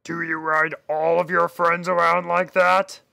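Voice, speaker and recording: A man voicing a grumpy, indignant river shark with a gravelly, forceful voice and a blunt manner, for a story reading. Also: on the high side, little pitch movement, a little slow, no room sound, clean studio sound, voice pushed up, heavily acted. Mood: puzzled. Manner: blunt, aggrieved.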